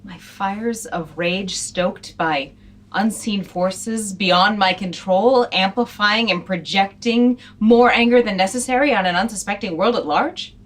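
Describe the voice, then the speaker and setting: A woman's voice: mid-range voice, unhurried, lightly acted. A woman playing a cantankerous wasteland character in a comedy audio sketch. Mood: brooding. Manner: huffy, then soul-searching.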